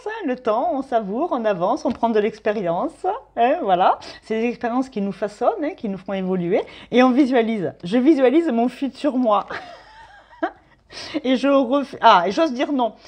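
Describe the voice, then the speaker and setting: A woman's voice: mid-range voice, darkish tone. Playful woman chatting thru a tarot reading, lots of "hein". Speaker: tarot reader.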